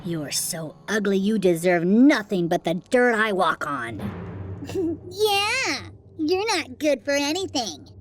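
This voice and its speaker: A cruel, mocking woman from an animated fairytale. Her high voice swings widely and lingers slowly over every taunt, sneering and bossy. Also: soft background music. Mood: contemptuous. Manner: mocking, taunting, drawn-out insults. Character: cruel, sneering stepfamily women bullying Cinderella. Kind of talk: animated fairytale storybook acting.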